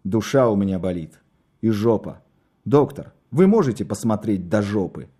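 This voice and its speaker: A man voicing a deranged, aggressive and crude man with a slow, drawling delivery. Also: fairly low pitch, lively intonation, warm tone, breathy edge.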